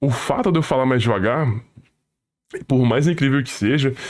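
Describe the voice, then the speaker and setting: This man's voice sits at a medium pitch. He uses lively intonation. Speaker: programmer and tech educator youtuber. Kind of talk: personal vlog monologue. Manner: fast; hesitant fillers.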